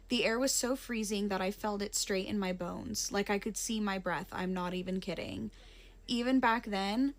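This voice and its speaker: Woman reading a creepy story aloud. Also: medium pitch. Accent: American Southern.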